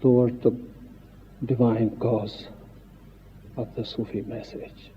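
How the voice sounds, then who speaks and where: A man giving a solemn devotional speech as a spiritual teacher, in halting short phrases with long pauses. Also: medium pitch, level tone, mellow, a little hiss or hum. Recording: muffled 1950s archive recording, reverberant hall, phone-like.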